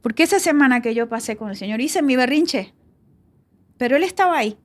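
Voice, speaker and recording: A woman's voice: sits high, animated, brisk. A woman co-hosting a Christian podcast, speaking earnestly and reflectively. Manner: earnest, reflective, often quoting God in voiced lines. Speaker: podcast co-host.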